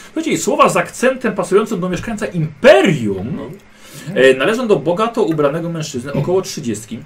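Mistrz gry o żywej intonacji. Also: male voice, fairly high pitch. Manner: loose, with frequent "słuchajcie" and filler "e". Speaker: game master. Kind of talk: narrating a tabletop game.

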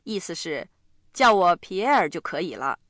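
A woman hosting a radio English lesson, explaining phrases in a clear, instructive way. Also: lowish voice, very animated, normal speed, fairly bright tone, dry recording. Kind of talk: scripted lesson narration.

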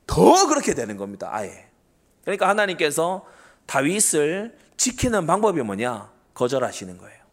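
Animated middle-aged male pastor preaching. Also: fairly high pitch. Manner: earnest, emphatic preaching with rhetorical questions. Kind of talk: sermon.

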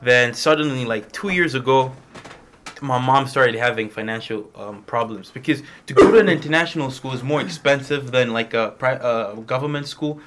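Young male student, bright tone, informal storytelling to a small group. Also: mid-range voice, a little hiss or hum. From Malawi. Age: young adult. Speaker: international student speaker. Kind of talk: personal testimony to a small group.

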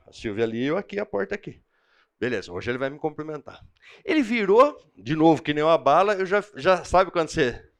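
A man with a Brazilian Portuguese accent teaching a church Bible class, telling animated personal stories in a slangy, chatty way. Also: fairly high pitch.

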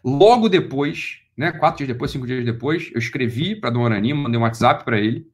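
A man's voice: medium pitch, lively intonation. A man with a Brazilian Portuguese accent who lectures on philosophy. He delivers a heated monologue and often repeats his points for emphasis. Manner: rapid, repeats himself for emphasis.

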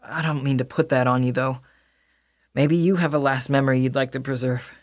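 A man acting a grieving, gentle and hesitant younger brother in an audio drama. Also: medium pitch, fairly even intonation, brisk, close to an everyday voice. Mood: gentle, subdued.

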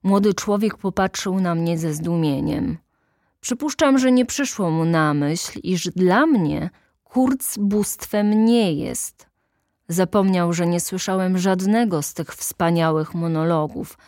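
Woman narrator, unhurried, deliberate; dry close-mic audiobook read. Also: fairly low pitch, animated, a little mellow, no room sound. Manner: measured, deliberate, dramatic pauses. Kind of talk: literary audiobook reading.

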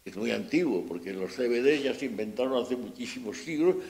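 A man's voice: medium pitch, animated, brisk, a little mellow. A man with a Peninsular Spanish accent speaking informally at a book presentation, hesitant and often restarting his words, with a critical, ironic edge. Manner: hesitant, repeats and restarts words, searching phrasing. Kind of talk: informal public talk.

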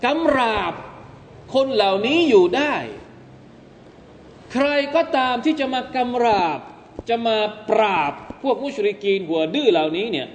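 A man giving a Quran commentary lecture, animated and emphatic, addressing listeners as brothers. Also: high voice, measured pace, in a large hall, a little hiss or hum. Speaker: Islamic teacher.

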